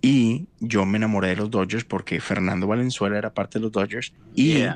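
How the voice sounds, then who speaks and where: The background is quiet, and the sound is dry and close with no echo. Pitch varies in an ordinary way. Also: man. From Mexico, Monterrey. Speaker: podcaster. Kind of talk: casual debate.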